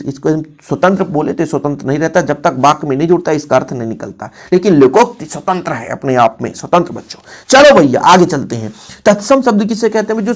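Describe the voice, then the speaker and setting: A man's voice: a little high, darkish tone. A man teaching an exam-prep grammar lesson to students, explaining by working through examples again and again and hitting key words with extra stress. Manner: explains by repeating examples, calls students "बच्चों".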